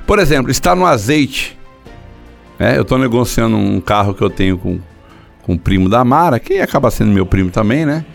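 A man's voice: mid-range voice, lively intonation, a little fast, vocal fry, soft background music. An older man preaching a sermon, telling stories and acting out dialogues in different voices. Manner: storytelling, acts out dialogues in shifting voices. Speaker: pastor.

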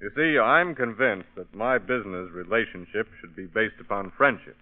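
An earnest man delivers a scripted sponsor testimonial in a fairly low voice. He sounds like a salesman on vintage radio. The recording is heavily muffled. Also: normal speed. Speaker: fuel dealer, guest in a sponsor spot.

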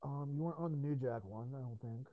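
Tired, rambling podcast host on a tinny line. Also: male voice, medium pitch, fast, no echo. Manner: profane, rambling, laughs often. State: tired voice after hours of talking. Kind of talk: casual podcast chat.

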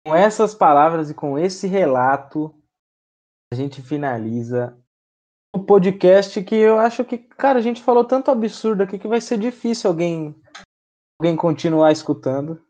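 A man's voice: high-pitched, lively intonation, moderate pace, a little mellow. A man hosting a podcast who talks in a laid-back, teasing way. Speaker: podcast host. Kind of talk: casual chat.

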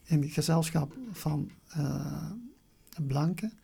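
The speaker has a soft, mellow timbre with a marked crackle and a southern Dutch accent. They answer interview questions reflectively, often pausing and repeating words as they search for the right phrasing. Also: mid-range voice, fairly even intonation, gravelly, husky. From Venlo, Limburg, Netherlands. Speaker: interview guest.

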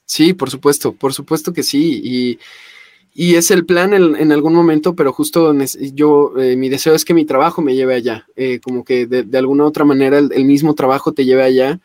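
A man's voice: medium pitch, fairly even intonation, normal speed, darkish tone, no echo. A young adult man, a voice actor talking as a podcast guest in an eager, rambling way full of fillers and restarts. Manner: enthusiastic, many fillers and restarts. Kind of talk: casual podcast interview.

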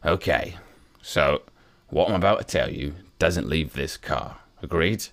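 A man voicing a friendly yet forceful Cockney paparazzo in his late forties, in a read-aloud story. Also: very deep voice, unhurried, exaggerated voice.

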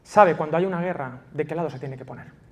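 A man from Spain preaching a passionate sermon as pastor of a church, swinging from loud emphasis to quiet intimacy. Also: a little high, fast talker. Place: church in Valencia.

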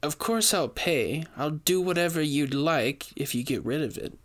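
A man's voice: on the high side, lively intonation, moderate pace, close to an everyday voice. A man reading a storybook, voicing an anxious widow who pleads for help with an urgent manner.

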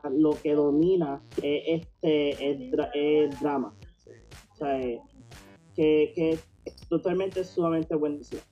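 A man who is a guest on a casual chat, talking in a relaxed way and mixing English words into his Spanish. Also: a little high, slow, dull audio, faint music behind.

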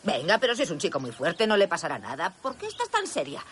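A woman's voice: on the low side, huge pitch swings, fast. A bossy, caring village mother. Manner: firm, scolding, coaxing. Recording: film soundtrack with clear background noise.

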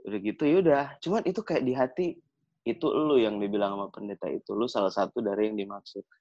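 A man's voice: lowish voice, fast talker, warm tone, no room sound. A man in his thirties from Manado, Indonesia, telling his story in a slangy, jokey way as a podcast guest. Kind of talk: casual storytelling chat. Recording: dull lo-fi, dry sound.

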